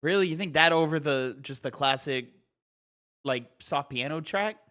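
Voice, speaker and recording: A man's voice: on the high side, moderate pace, a bit bright. A man co-hosting a casual gaming podcast, talking informally and giving his opinions emphatically.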